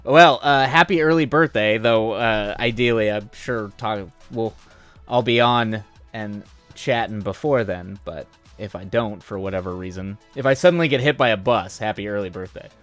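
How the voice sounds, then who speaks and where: A man's voice: lowish voice, moderate pace, a bit bright, soft background music. A man in his thirties hosting a livestream, chatting casually with viewers, rambling with frequent restarts and chuckles. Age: 30s. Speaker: livestream host. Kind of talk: casual chat answering viewers.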